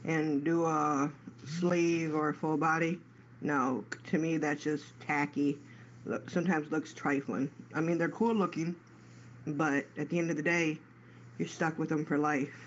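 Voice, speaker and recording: A man's voice: on the high side, level tone, a little slow. A man giving blunt, opinionated views in casual chat. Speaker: show participant. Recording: lo-fi radio-app audio, faint noise.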